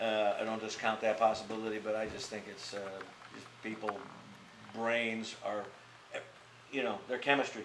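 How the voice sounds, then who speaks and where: A man talks with long, frequent pauses. Audible room echo and noticeable background noise surround his voice. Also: medium pitch for a man, moderate pace. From US Midwest, East Cleveland, Ohio. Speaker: comedian and mime performer. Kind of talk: interview in front of a live audience. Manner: animated.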